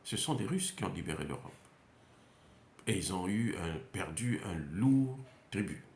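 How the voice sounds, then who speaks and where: Male, Central African French accent, emphatic and repetitive, lively pitch, echoey room. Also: a little slow, creaky, slight background noise. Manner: emphatic, repetitive, many hesitations. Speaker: commentator. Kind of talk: unscripted monologue. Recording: roomy echo.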